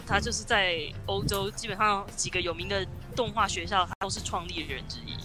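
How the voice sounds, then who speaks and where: A man chatting casually as an interview guest, articulating clearly. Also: sits high, steady tone, brisk, music in the background. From Taipei, Taiwan. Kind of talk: casual chat.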